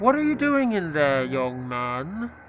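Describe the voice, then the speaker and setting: In a put-on character voice, a man speaks with a guttural, fairly high-pitched delivery at a fairly slow pace, over clear background noise. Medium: read story. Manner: menacing.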